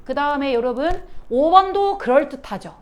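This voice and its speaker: A woman English teacher giving an exam lecture, quizzing her students with quick rhetorical questions. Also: high voice, lively intonation.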